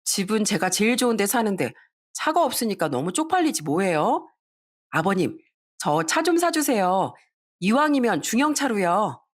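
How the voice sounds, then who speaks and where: A woman voicing a spoiled, demanding elder daughter-in-law in a Korean story radio drama, whiny and sharp-tongued. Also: mid-range voice, very animated, moderate pace.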